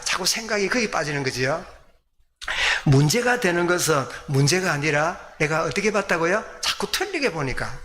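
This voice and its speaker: A man's voice: a little high, sharp tone, a little hiss or hum. A man from South Korea preaches as a pastor, teaching by putting questions to the congregation and answering them himself. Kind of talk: sermon with rhetorical questions to the congregation. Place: church service.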